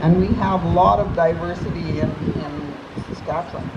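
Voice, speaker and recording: A woman talks while loud background noise fills the clip. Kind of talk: public address at an event. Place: stadium. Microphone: camera far.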